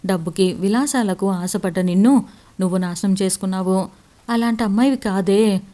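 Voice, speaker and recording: A woman's voice: medium pitch, normal speed, dark tone, lightly acted. A woman narrator voicing a grieving middle-aged mother who laments her lost daughter.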